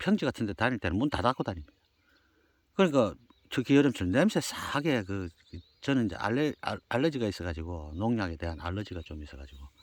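A fairly quick pace with very wide pitch swings and big swings in loudness. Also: man, dry, close sound with no echo. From South Korea, a city. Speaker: organic farmer. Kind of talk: tutorial. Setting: outdoors. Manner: animated.

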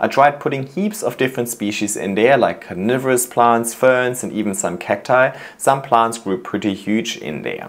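Male voice, moderate pace, ordinary pitch variation. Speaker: plant YouTuber; plant channel host. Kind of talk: casual reaction video commentary. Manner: animated. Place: home room. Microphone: lapel.

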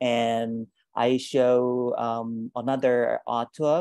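Against a quiet background, a man with a Korean accent speaks very slowly in a flat monotone, the sound dry with no echo. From South Korea. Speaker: fashion design director and textile artist; guest. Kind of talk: webinar slide presentation. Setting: video call. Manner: halting. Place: home room. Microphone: video call.

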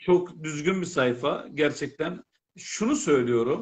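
A man's fairly slow delivery with lively intonation. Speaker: association federation official; online group host. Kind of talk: casual chat. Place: home room. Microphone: video call.

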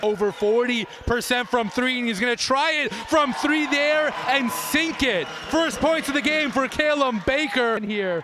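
A man with an extremely high pitch speaks in a raised, projected voice at a fairly slow pace, with ordinary pitch variation, hardly any pauses and noticeable background noise. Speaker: basketball play-by-play commentator. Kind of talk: live sports commentary.

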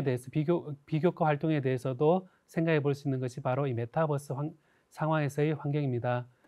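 The background is quiet as a man talks in a fairly high pitch. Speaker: university IT director; university lecturer. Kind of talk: lecture. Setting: studio.

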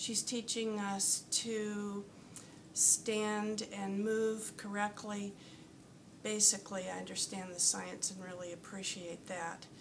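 A woman at a very slow pace, monotone and flat, over noticeable background noise. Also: medium pitch for a woman. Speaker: retired nurse practitioner giving testimonial. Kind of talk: testimonial. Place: office. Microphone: phone near.

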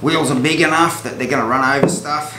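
Ordinary pitch variation over loud background noise. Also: man. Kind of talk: tutorial. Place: garden.

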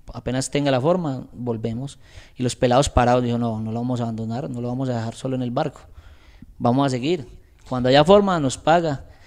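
Talking at a fairly quick pace, a man with an ordinary speaking voice holds a medium pitch and ordinary pitch variation. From Antioquia, Colombia. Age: 30s. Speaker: content creator and radio announcer. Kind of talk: casual interview.

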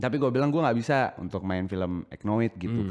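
At a fairly quick pace, a man speaks in a fairly low pitch with ordinary pitch variation over a quiet background. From Indonesia. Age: 20s. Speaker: singer-songwriter and actor. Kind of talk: casual interview answer. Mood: relaxed, laughing storytelling. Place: studio. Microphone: studio mic.

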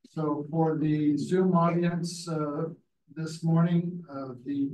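A man's dark, mellow voice carries monotone, flat intonation in a room with audible echo. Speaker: meeting host. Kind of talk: opening announcements. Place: hall. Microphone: camera far.

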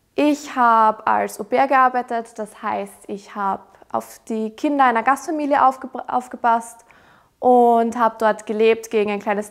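Here a woman talks in a normal speaking voice at a fairly slow pace. Her pitch is fairly high with ordinary variation, against a quiet background. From Austria. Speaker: former au pair. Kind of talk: testimonial. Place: home room. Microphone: lapel.

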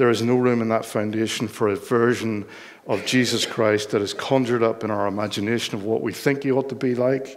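Against a quiet background, a man with a Northern Irish accent talks at a fairly quick pace in a monotone, flat intonation. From Northern Ireland. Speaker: pastor. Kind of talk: sermon. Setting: church. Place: church.

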